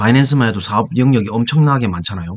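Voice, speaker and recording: The man's words come at a fairly quick pace against a quiet background. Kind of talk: market commentary monologue. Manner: halting, many fillers.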